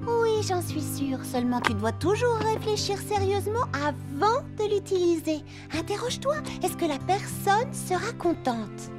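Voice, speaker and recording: Very high, lively cartoon girl. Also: a little slow, few pauses, over music, exaggerated voice. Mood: gentle, reassuring. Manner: expressive, exclamatory. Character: cheerful, kind young cartoon girl. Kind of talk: French children's cartoon dub acting.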